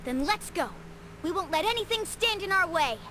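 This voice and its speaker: A woman's voice: extremely high pitch, lively intonation, normal speed, bright, forceful tone, slight background noise, exaggerated voice. A woman voicing an upbeat, athletic young female warrior and coach in a video game, peppy and confident. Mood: eager. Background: game music.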